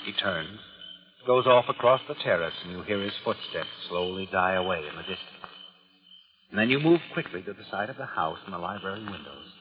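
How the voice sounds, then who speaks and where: An American actor playing a sly, all-knowing narrator in a 1940s radio crime drama, needling his listener in a knowing, insinuating way. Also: low voice. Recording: dull vintage 1940s radio broadcast, loud music. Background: dramatic music.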